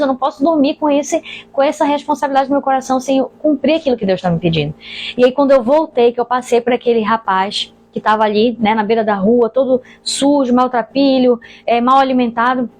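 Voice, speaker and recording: Quick, high-voiced Brazilian woman pastor. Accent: Brazilian Portuguese. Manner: earnest, addresses listeners directly. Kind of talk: preaching testimony.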